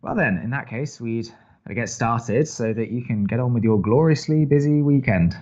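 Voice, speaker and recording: A man acting as a young college radio co-host, dry, skeptical and sarcastic, with halting delivery in an audio drama. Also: medium pitch, darkish tone, lo-fi sound, close to an everyday voice. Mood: awkward, flustered. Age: young adult. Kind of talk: naturalistic audio drama banter.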